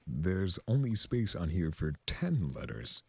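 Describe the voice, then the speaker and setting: A man's voice: sits low, very animated, slow, gravelly, husky, full character voice. A man voicing a male pegasus clerk, literal and bureaucratic, in a story reading. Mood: matter-of-fact. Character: officious, hesitant male pegasus clerk doing paperwork.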